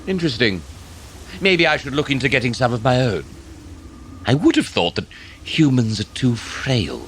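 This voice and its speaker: A man's voice: mid-range voice, very animated, normal speed, slight background noise, lightly acted. Guy doing an evil elf lord, super theatrical n mocking, voice swoops everywhere, audio drama villain. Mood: mocking curiosity. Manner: theatrical, mocking, savoring words. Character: gloating, cruel elf lord villain of the Fae.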